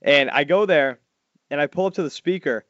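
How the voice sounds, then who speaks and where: A loud, animated man, chatting as a podcast host. His voice sits a little high and leaps up further when a story excites him. The sound is dry and a bit dull, like a lo-fi recording. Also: moderate pace, no echo. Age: 40s. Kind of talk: casual chat.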